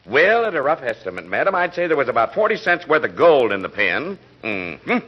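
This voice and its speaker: A man playing a dryly polite, deadpan jewelry appraiser with an American accent in 1940s radio comedy. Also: mid-range voice, fairly quick, slightly rough. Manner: deadpan, absent-minded humming murmurs. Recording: muffled, noisy vintage radio broadcast.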